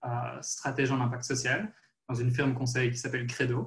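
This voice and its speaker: A man with a Belgian accent at a moderate pace. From Belgium. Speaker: social impact strategist. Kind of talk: panel discussion.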